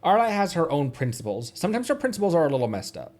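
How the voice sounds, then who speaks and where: A man's voice: fairly high pitch, big pitch swings, fast talker, darkish tone. A man giving casual livestream commentary on a game, playfully thinking aloud. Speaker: streamer.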